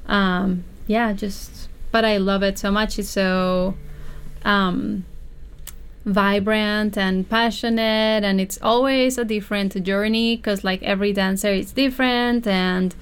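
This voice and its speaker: A woman's voice: medium pitch, steady tone, slow pace, clear, resonant tone. A young woman from Colombia, a flamenco singer, chatting as an interview guest and using many fillers. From Colombia, Bogota. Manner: warm, laughs often, many fillers. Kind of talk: casual interview chat.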